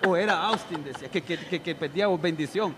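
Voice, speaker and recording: A man's voice: a little high, a little fast, very noisy. A man in casual chat, telling a story and acting out quoted speech. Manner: lively, acts out quoted speech.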